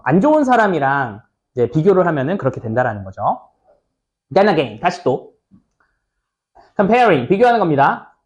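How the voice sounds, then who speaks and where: A man teaching English test passages in a chatty, informal lecture. His voice sits high and swings widely in pitch. He keeps checking in with his students and slips into little acted-out scenes to make a point. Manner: chatty, asks students "right?" often, acts out little skits. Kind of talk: lecture explaining an exam passage.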